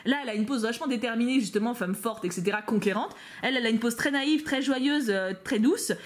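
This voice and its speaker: A woman's voice: fairly high pitch, fast. A young woman from France opening fan mail for her viewers, gushing and teasing, often stumbling over repeated words. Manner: gushing and excitable, stammering repeats; playful teasing asides. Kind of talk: casual unboxing vlog, talking to viewers.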